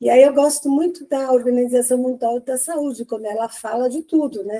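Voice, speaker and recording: Her tone dark and mellow, a woman speaks at a high pitch and a moderate pace with fairly even intonation. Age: 70s. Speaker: speech-language pathologist and audiology professor. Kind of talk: interview.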